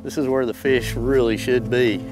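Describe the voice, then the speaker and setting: A man's voice: mid-range voice, fairly even intonation, normal speed, music in the background. A middle-aged man hosting a fishing show, giving casual, conversational commentary in a folksy way.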